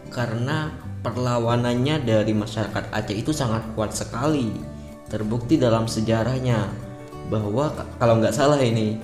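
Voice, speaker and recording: A man with a Javanese accent and a slight Madurese lilt, hosting a casual podcast monologue. He talks in a chatty, joking way and often asks himself questions and answers them. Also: mid-range voice. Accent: Javanese with Madurese touches. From Java. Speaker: podcast host. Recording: roomy echo with faint music behind.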